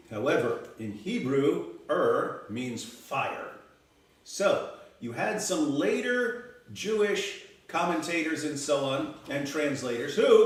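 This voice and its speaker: A man on a panel explaining a point step by step, repeating words as he builds it. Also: fairly high pitch. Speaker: panel guest. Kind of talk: explanatory talk. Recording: echoey room, distant mic, faint noise.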